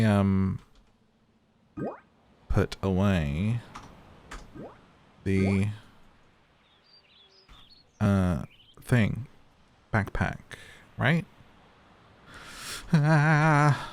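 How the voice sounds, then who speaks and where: A man's voice: mid-range voice, drawn-out words, pauses often, clear, resonant tone. A man casually commentating a game, playful and teasing, often laughing. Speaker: gaming host.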